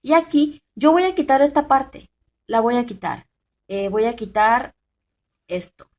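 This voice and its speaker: A woman's voice: fairly high pitch, animated, measured pace. A woman hosting a programming tutorial, thinking aloud with fillers and asking the viewer questions. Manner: informal, thinks aloud with many fillers and restarts; addresses the viewer directly with questions. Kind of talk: screen-recorded software tutorial.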